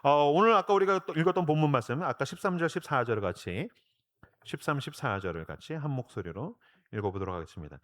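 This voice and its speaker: A man's voice: medium pitch, quick pace. A male pastor preaching a revival sermon to young adults, acting out quoted lines with animation. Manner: lively preaching that acts out quoted lines in character.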